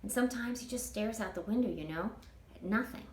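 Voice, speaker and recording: A woman's voice: medium pitch, fairly quick, a little mellow, voice pushed up, close to an everyday voice. Storybook child role: woman as an earnest, watchful country girl, plainspoken, questioning, with roomy sound. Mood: troubled. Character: earnest, watchful fifth-grade girl from rural mountains.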